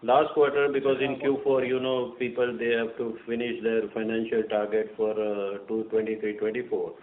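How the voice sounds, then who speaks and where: Halting Indian man on an echoey phone line. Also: mid-range voice, little pitch movement. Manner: halting, hesitant delivery. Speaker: company executive answering questions. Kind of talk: unscripted question-and-answer.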